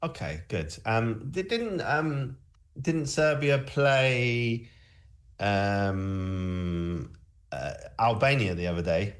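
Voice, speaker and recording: A man's voice: on the low side, expressive, extremely slow. A man hosting a music show, chatting casually about tracks in a rambling, hesitant way.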